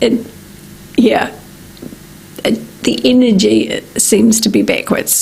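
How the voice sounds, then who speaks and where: A middle-aged woman from New Zealand with a slightly raised pitch and a gravelly, croaky edge to her voice. She talks unhurriedly on the radio as a life coach, drifting through her points with frequent ums and small restarts. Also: a little mellow, poor audio. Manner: slow, meandering, with many ums and restarts. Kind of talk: casual radio talk segment.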